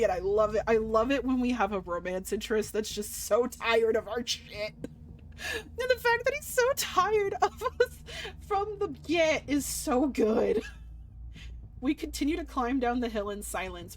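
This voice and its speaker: A woman game streamer reading a visual novel aloud dramatically and adding casual, expressive commentary. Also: on the high side, poor audio. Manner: expressive, reactive.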